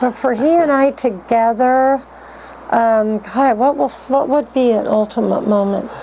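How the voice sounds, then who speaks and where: The speech comes at a fairly slow pace with very even loudness, over noticeable background noise. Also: woman, high pitch for a woman, ordinary pitch variation. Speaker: interviewee, wife of a claimed son of a spiritual teacher. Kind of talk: interview, storytelling.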